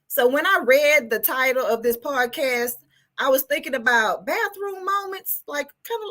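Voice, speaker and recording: A high, animated, bright voice with a forceful tone belongs to an enthusiastic woman from Texas with a Southern US accent. Appearing as a guest mental health therapist in a casual interview and motivational talk, she speaks folksily at a moderate pace, sprinkling in rhetorical check-ins.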